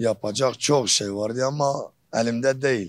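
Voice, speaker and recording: Fairly slow and fairly even in intonation, a man speaks with a Kurdish accent. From Diyarbakır, Turkey. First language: Kurdish (speaking Turkish). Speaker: street musician. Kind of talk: street interview. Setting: outdoors.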